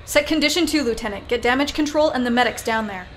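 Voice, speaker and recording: A woman playing a level-headed, fair-minded military captain in a science fiction audio drama, measured and commanding. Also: fairly high pitch, slight background noise, close to an everyday voice. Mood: urgent command. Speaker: captain and defense adjutant.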